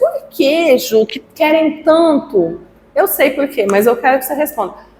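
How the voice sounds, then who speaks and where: A high-pitched woman in a Minas Gerais accent, with very wide pitch swings at a moderate pace, over noticeable background noise. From Brazil, Minas Gerais. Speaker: podcast co-host, social worker and consultant. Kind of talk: casual podcast chat. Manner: animated, laughs mid-sentence.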